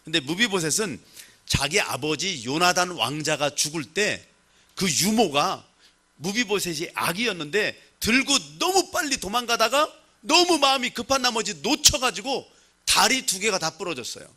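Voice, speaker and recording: A male pastor preaching a sermon, telling a scripture story with animated emphasis and leading the congregation in reading aloud. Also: high voice, normal speed.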